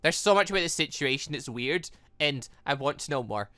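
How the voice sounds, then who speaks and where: A video game let's-player giving rambling, excitable, casual commentary while playing. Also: medium pitch, a little fast, no room sound. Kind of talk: casual gameplay commentary and read-aloud.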